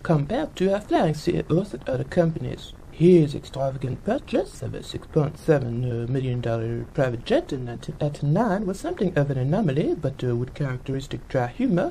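A man's voice: mid-range voice, warm tone, a little hiss or hum, low-quality recording. A man voicing a chatty French monkey puppet reporter with a French accent and a sing-song voice. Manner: jokey, rambling, flustered fibbing. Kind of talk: comic puppet news segment.

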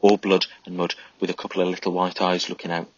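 A man voicing a loyal young soldier who speaks quietly and steadily. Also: deep voice, flat delivery, fast, no echo. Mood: reassuring. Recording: slightly dull lo-fi recording.

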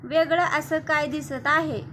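A woman's voice: high-pitched, steady tone, measured pace, fairly bright tone, a little hiss or hum. A woman films her pet cats at home and talks to them in teasing baby-talk. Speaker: vlogger, mother. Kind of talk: casual home vlog, talking to pet cats.

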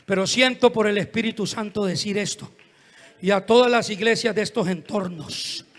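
A man's voice: sits high, normal speed, fairly bright tone. A male pastor preaching an evangelistic sermon, telling a story with fervent, dramatic delivery.

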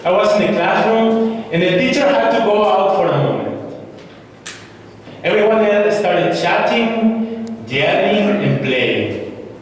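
A young man giving a memorized contest speech slowly and deliberately, with dramatic pauses, on an auditorium stage. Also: sits high. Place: large indoor auditorium stage. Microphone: far camera, no visible mic. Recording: echoey hall from far off, faint hiss.

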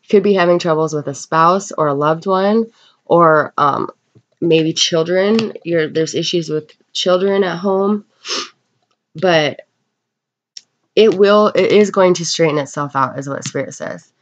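A woman getting over a cold gives a casual tarot card reading, speaking haltingly with unhurried pauses. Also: on the low side. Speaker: tarot reader. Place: indoors at a table in a room. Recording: dull, lo-fi webcam sound.

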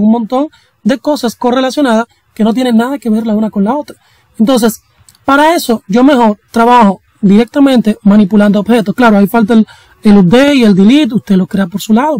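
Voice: medium pitch, darkish tone, no echo, rough recording. Casual coding instructor. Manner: casual, chatty teaching with slang and jokey asides. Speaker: programming instructor. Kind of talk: screen-recorded coding tutorial.

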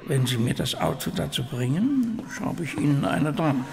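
Gravelly, polite menacing boss. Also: male voice, medium pitch, big pitch swings, normal speed. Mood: coolly menacing. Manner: courteous, sardonic threats. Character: polite, coolly menacing male gang boss. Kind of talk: horror audio drama acting. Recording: long reverb, loud noise.

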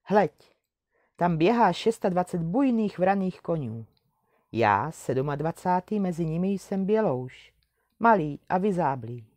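A loyal little white horse from a storybook, wise and gently reassuring, as a woman reading aloud puts him on. The voice sits low and mellow, recorded close and dry. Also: sing-song, dry recording.

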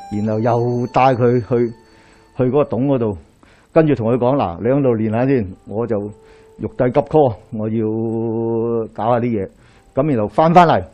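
A middle-aged Daoist priest with a Hong Kong Cantonese accent lectures in a small hall, speaking into a handheld mic. His voice is mellow, and he keeps throwing rhetorical questions to the room as he tells his stories. Faint music plays behind him. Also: medium pitch. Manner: animated storytelling with rhetorical questions, pacing while gesturing. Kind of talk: lecture to a live audience. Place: small lecture hall indoors, in front of a screen.

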